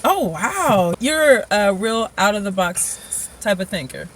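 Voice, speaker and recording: A woman's voice: medium pitch, big pitch swings, slow pace, poor audio. A woman interviewer in casual conversation, encouraging and reacting with short interjections. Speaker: interviewer and video host.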